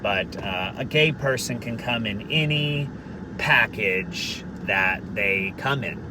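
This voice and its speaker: Man, deep low voice, earnest, candid, casual Q&A talk, street noise behind. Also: animated, slow pace. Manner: earnest, candid, occasionally swears. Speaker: vlogger answering questions. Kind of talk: casual Q&A monologue. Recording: distant mic, noisy background.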